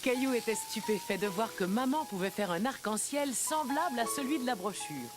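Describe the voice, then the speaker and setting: Woman reading cartoon narration, lively tone, music underneath. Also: a little high, normal speed. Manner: calm, storytelling. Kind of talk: scripted storybook narration.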